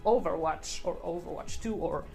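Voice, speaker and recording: A young Polish-speaking artist gives casual voice-over commentary, chatty and rambling with plenty of fillers. Her voice is fairly low and moderately paced, and loud background music plays under it.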